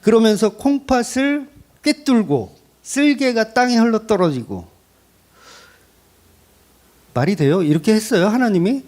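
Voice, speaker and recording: A man preaching with a high, lively voice that swings widely in pitch. He is a middle-aged pastor, animated and conversational, acting out quoted voices and asking the congregation pointed rhetorical questions. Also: a little slow, long pauses. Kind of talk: sermon.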